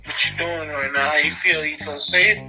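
A man talking over a phone call as a caller, halting and hesitant, often restarting his sentences. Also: on the high side, fairly even intonation, over music. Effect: heard over a phone call.

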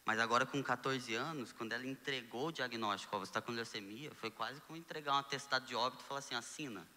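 Bright-voiced young Brazilian man telling a story. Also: medium pitch, fast, long reverb tail. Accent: Brazilian Portuguese. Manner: animated storyteller, acts out quoted dialogue. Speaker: guest sharing testimony. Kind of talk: casual conversation.

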